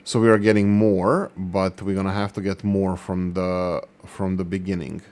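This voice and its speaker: A man's voice: sits low, level tone, moderate pace, a little mellow. A man hosting a gaming channel, giving gameplay commentary and thinking aloud as he works through production numbers.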